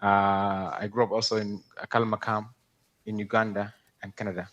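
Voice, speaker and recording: A man in his twenties, from Darfur, giving careful, halting testimony as a witness over a video call. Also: fairly low pitch, little pitch movement, a bit bright, highs cut off. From Sudan, Darfur. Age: 20s.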